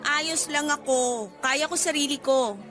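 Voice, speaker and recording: A flippant, defensive young woman with a Filipino accent in a radio drama. Her voice sits high and bright, throwing out sassy retorts. Soft music plays underneath. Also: measured pace. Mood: dismissive. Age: 20s. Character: defiant, flippant single woman nearly thirty, freshly heartbroken. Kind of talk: Tagalog radio drama acting.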